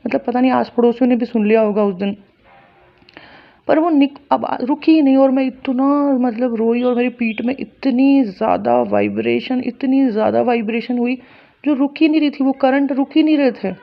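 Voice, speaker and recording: A woman's voice: fairly high pitch, animated, moderate pace, gravelly, muffled recording. A woman earnestly recounting a personal spiritual experience to her viewers, repeating phrases as she relives it. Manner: earnest, repetitive, intense retelling. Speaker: spiritual storyteller. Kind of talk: personal story told to viewers.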